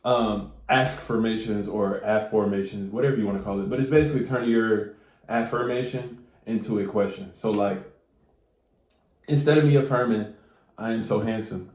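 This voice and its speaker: A man with a lowish voice and a stuffy nose talks straight to his viewers in loose, slangy, profane language. He gives casual advice in a room with a noticeable echo. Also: brisk, a little mellow. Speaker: manifestation coach.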